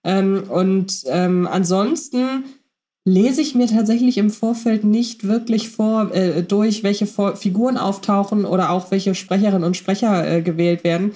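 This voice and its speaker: A woman's voice: mid-range voice, measured pace, dark tone. A woman co-hosting a casual fan podcast, reflecting in long winding sentences full of fillers. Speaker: podcast co-host.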